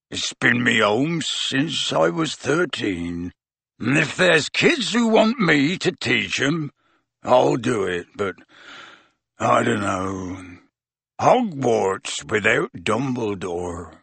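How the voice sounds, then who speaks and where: A man puts on a big soft-hearted groundskeeper, gruff and croaking through tears. He drawls slowly with dropped, rustic words. The voice is breathy and the room dry. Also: mid-range voice, very animated, no echo, exaggerated voice. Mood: grieving. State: tearful.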